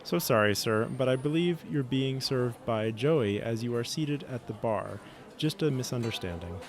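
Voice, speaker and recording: Male diner boss , actor, condescending and curt, average-pitched, podcast-drama delivery with soft music behind. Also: expressive, normal speed, close to an everyday voice. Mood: falsely polite. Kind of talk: audio drama acting.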